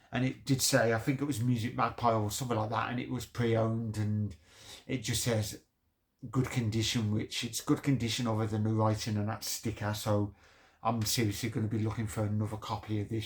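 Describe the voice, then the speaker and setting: With a Birmingham accent, a man talks fairly quickly in a somewhat breathy, monotone, flat voice on a very clean recording with a silent background. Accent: Brummie. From Birmingham, England. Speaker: music collector vlogger. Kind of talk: casual haul video monologue. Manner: hesitant with fillers.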